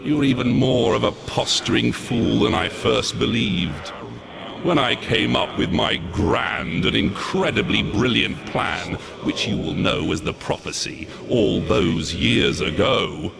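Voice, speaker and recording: Gravelly, gloating demon mastermind. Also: male voice, mid-range voice, slow, crowd noise. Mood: gloating, contemptuous. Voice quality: gravelly, creaky. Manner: theatrical, taunting, pompous. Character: gloating, mocking ancient demon mastermind, male. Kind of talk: video game villain acting. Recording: loud music over the voice.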